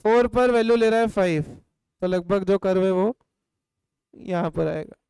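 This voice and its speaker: High-voiced man teaching a class. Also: moderate pace, creaky, darkish tone, clear, resonant tone, no room sound. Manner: asks the class questions and prompts answers; drills points with call-and-response. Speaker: economics teacher. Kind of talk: live class lecture. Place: classroom or home studio.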